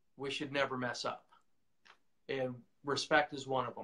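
The man's tone is bright and sharp, and he speaks at a fairly slow pace. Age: 40s. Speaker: leadership coach. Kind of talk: casual interview chat. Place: home room. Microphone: video call.

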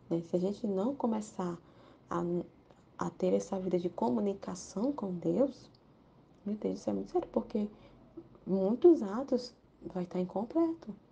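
The voice has a dark, mellow tone with vocal fry and lively intonation. It moves at a fairly slow pace, broken by long, frequent pauses. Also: woman, medium pitch for a woman. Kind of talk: prayer and devotional discussion.

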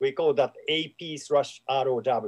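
A man with a Japanese accent speaks at a fairly high pitch, his pitch varying in an ordinary way against a quiet background. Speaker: private equity investor. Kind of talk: business presentation. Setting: video call. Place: home room. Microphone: webcam.

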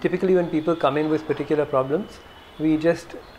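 A man with a normal speaking voice, fairly high in pitch, with fairly even intonation and a fairly quick pace. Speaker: yoga teacher. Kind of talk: interview explanation.

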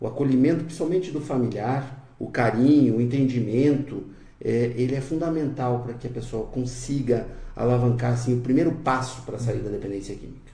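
A dark, mellow, somewhat breathy voice moves at a moderate pace with ordinary pitch variation and audible room echo. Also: man. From southern Brazil, raised in Lages, Santa Catarina; Santa Catarina, Brazil. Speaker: psychiatrist; guest. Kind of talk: TV interview. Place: studio.

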